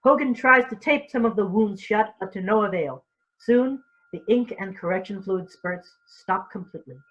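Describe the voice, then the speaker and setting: A woman's voice: medium pitch, lively intonation, moderate pace, fairly bright tone, muffled recording. A woman reading out stage directions for a staged reading as scripted narration, sometimes stumbling over the script.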